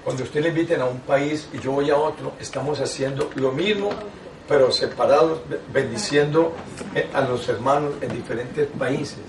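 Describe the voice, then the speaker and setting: An older man, a priest, teaching a lay audience in a small meeting room, telling stories with lively asides and restarts. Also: mid-range voice, normal speed, far from the mic, noisy background. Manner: animated storytelling with frequent asides and restarts. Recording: echoey room, taken from afar.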